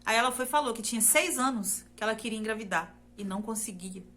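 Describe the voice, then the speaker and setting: Woman, from Brazil, earnest faith testimony, repeats herself, clear bright tone. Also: on the high side, quick pace. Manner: earnest, repetitive, addresses listeners as "gente". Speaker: testimony speaker.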